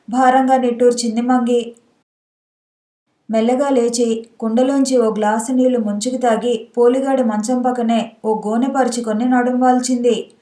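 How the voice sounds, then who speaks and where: A woman narrating an audiobook story in a calm, measured reading, recorded in an echoey room. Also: a little high.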